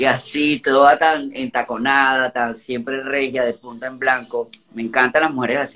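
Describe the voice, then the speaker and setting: A man's medium-pitched voice with flat, monotone intonation. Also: moderate pace. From Venezuela. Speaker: hairdresser. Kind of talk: casual chat.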